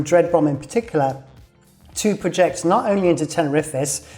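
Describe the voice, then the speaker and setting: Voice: medium pitch, a little mellow. A host giving a casual weekly news rundown of a game world while drawing on a map, talking in a loose, rambling way with many fillers and self-corrections, voice slightly worn. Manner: laughs at own doodling while drawing on screen. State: slightly losing voice. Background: faint background music.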